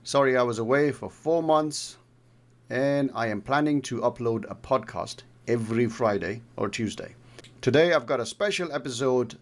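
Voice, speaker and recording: Gravelly-voiced male podcast host. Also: medium pitch, moderate pace. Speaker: podcast host and trading mentor. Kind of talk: podcast interview.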